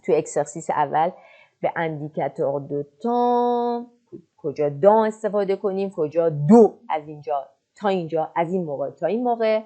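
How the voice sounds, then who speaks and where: A woman teaching French, patiently explaining and slowly reading French example sentences. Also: fairly low pitch, expressive, warm tone, highs cut off. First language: Persian. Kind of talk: online language lesson.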